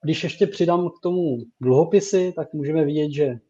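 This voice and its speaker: A man, a financial adviser on a podcast, speaking in a measured way with fillers. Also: fairly high pitch, dark tone, highs cut off. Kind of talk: casual podcast talk.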